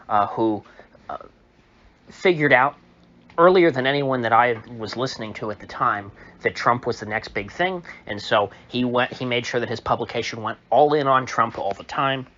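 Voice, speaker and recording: Sick guy ranting politics alone in a room, lots of uh's, bright edgy voice, kinda muffled recording. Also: medium pitch. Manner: halting, many uh fillers, opinionated. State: sick, slightly off voice. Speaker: political commentary host. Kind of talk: casual political commentary monologue. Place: indoor room.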